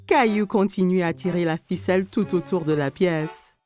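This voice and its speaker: A woman narrating a scripted story for young children in a clear storytelling manner. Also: fairly low pitch, normal speed, a little mellow, soft background music.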